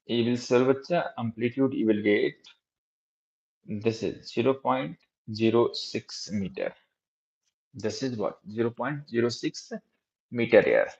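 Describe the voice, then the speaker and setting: A man with a South Asian accent teaching a live physics lesson in a halting, repetitive way, often checking with his students. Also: mid-range voice, expressive, gravelly, darkish tone. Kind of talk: live exam-prep lesson, working through problems. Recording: dull lo-fi recording.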